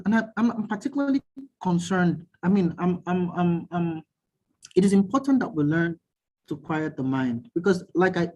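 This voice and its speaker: A guest professor giving calm, measured advice in a talk, often repeating words as he or she starts a thought. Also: mid-range voice, slightly rough. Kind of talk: teaching talk.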